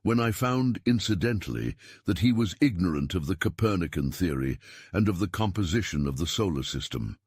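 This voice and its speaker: A man reading a literary story as narrator, in a measured, formal storytelling manner. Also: deep voice, husky, no echo, clean studio sound. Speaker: audiobook narrator.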